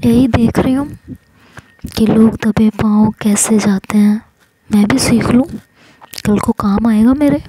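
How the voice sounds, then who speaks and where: A woman's voice: a little high, fairly even intonation, a little slow, long pauses, dark tone, husky, dry recording, low-quality recording. A woman voicing Ishu, a sulky, sarcastic young woman who complains, in whispered role-play. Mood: mocking.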